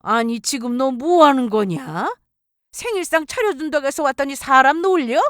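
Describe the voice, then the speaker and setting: A woman's voice: high voice, expressive, normal speed, dry recording, studio quality, pitched above the performer's own voice. A woman playing a bossy older mother-in-law. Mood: indignant.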